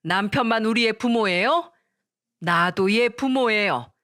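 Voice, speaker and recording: A woman's voice: fairly high pitch, expressive, measured pace, fairly bright tone. A woman voicing a stern, protective older mother who talks firmly and scolds. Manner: firm, scolding.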